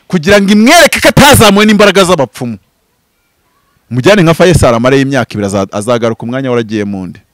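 A man in his thirties from Rwanda, a pastor speaking in an impassioned, preaching style, swinging from loud bursts to low murmurs. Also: dry recording. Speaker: pastor and prophet. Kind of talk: animated preaching-style interview talk. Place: outdoors before green foliage. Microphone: handheld mic held close.

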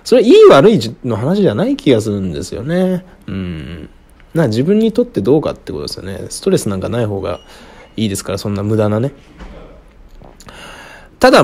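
Guy rambling thru listener questions solo, pitch jumps all over, mumbles off at the ends. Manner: rambling, frank, with frequent fillers and chuckles; lively, wide pitch swings. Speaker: radio-style show host answering listener questions. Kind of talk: casual solo talk answering questions.

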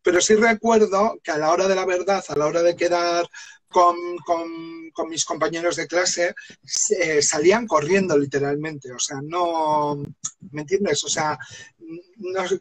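A man's voice: fairly high pitch, steady tone, measured pace, poor audio. A man, hosting a live stream in casual chat, rambling with many fillers and restarts.

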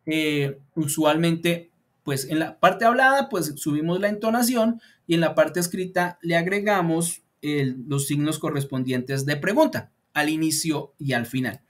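A male teacher talks through an online beginner lesson, thinking aloud as he adjusts his slides. He leans on fillers and stretches out example sentences slowly so learners can follow the intonation. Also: a little high. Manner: thinks aloud while editing slides, many fillers like "pues" and "entonces"; slows down to model example sentences. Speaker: English teacher.

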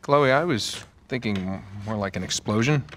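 An actor with an American accent playing a wisecracking, cocky and curious adventurer in a video game, conversational and casual. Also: male voice, on the low side, lively intonation, moderate pace, a bit bright, a little hiss or hum. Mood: persuasive. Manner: wry, casual. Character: wisecracking young male treasure hunter, cocky and curious. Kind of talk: cinematic game acting, conversational.

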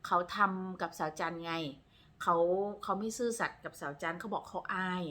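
Chatty woman vlogging, bright voice. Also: lowish voice, normal speed. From Northeast Thailand. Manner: chatty, rambling, refers to herself by name. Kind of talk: casual chat to camera. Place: home in Texas.

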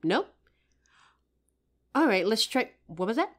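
A woman playing a kind, playful psychic who gently helps a ghost in an audio roleplay. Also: a little high, sing-song, slow, exaggerated voice. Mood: helpful, chatty. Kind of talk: audio roleplay addressed to the listener.

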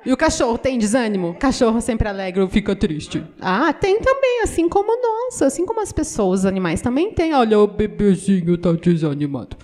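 A Brazilian woman voicing a deaf pastor's sermon in an animated way, asking the audience many questions and acting out what people say. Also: high-pitched, normal speed, hardly any pauses. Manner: acts out quoted everyday voices. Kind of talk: interpreted sermon.

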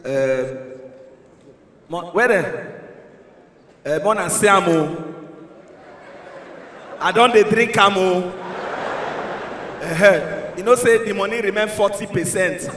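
A young Nigerian man on a big stage with a handheld mic, delivering lively stand-up in Pidgin and shouting out the punchlines. His voice sits very high and rings bright, carried by the long, roomy echo of a large concert hall. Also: takes it slowly, long pauses, a little hiss or hum. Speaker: stand-up comedian. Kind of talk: stand-up comedy set. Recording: echoey hall, crowd faintly behind.

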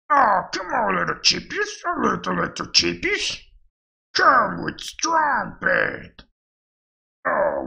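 For a fan voice demo of game quotes, a man puts on a brash, heavily acted voice, high, creaky, and sharp, to play a cocky, boastful masked male wrestler.

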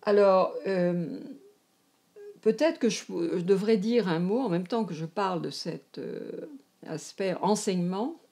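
A woman's voice: fairly low pitch, unhurried, warm tone. An older woman with a northern French, Parisian accent recalls her academic career in an interview, hesitantly searching for words. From France. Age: older, seventies or above. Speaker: emeritus anthropology professor, interviewee. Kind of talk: reflective career recollection in a filmed interview. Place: indoors, domestic room, seated.

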